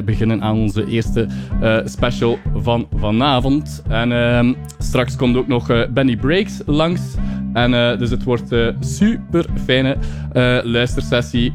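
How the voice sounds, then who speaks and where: Flemish man, radio host, casual and chatty, music playing underneath. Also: mid-range voice. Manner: loose and chatty, many fillers.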